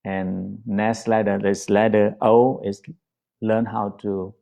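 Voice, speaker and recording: Brief: male Buddhist teacher, Vietnamese accent, gentle halting delivery, low pitch. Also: level tone, gravelly. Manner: slow and gentle, many pauses and fillers. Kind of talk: dharma talk on a livestream.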